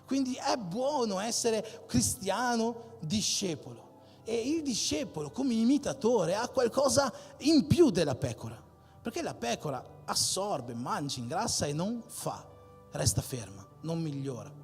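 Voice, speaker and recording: A man's voice: sits high, big pitch swings, measured pace, vocal fry. A man preaching a sermon as pastor, driving points home with repeated emphatic phrases. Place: church hall. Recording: long hall reverb with faint music.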